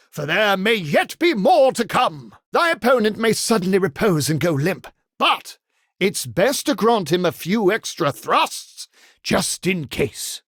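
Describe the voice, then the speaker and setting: An actor playing a theatrical, fawning and easily offended medieval knight for a video game, speaking mock-archaic English. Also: male voice, sits high, a bit bright, no echo, studio quality, heavily acted. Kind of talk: video game character voice lines.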